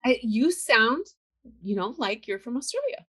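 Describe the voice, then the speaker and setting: A woman's voice: on the high side, sing-song, measured pace, pushed and bright, breathy edge. An American woman from California hosting an interview over a video call, chatty and upbeat with frequent laughter. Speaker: podcast host. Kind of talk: casual interview chat.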